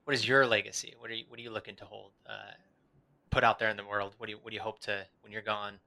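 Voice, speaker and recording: A man hosting an interview, affirming his guest and rambling with fillers, often trailing off quietly. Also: lowish voice, little pitch movement, fast talker, gravelly. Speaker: podcast host. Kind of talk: conversational interview.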